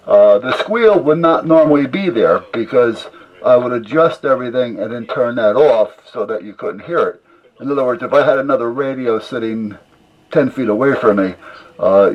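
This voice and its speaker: In a lo-fi recording, a man with a mid-range voice gives a folksy, rambling hands-on demonstration as a casual hobbyist presenter. He's about a foot from a camera mic, and there's clear background noise along with radio sounds.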